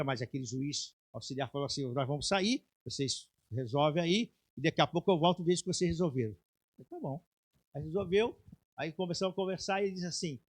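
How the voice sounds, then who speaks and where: A middle-aged man preaching a sermon with personal testimony, moving from quiet storytelling to loud, shouted exhortation. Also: on the high side. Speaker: pastor. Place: church sanctuary.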